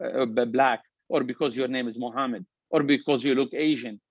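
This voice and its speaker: Speaking with a strong Lebanese accent, a man uses a medium pitch and a passionate tone at a fairly quick pace. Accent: heavy Lebanese Arabic. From Lebanon. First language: Arabic. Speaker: entrepreneur, panelist. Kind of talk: panel talk. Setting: virtual panel.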